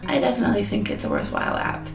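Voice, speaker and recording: A young woman reviewing an app in a chatty, earnest, rambling way, hoarse as she loses her voice. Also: medium pitch, wildly swooping pitch, racing. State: losing her voice. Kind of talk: casual review vlog. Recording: echoey room with guitar music.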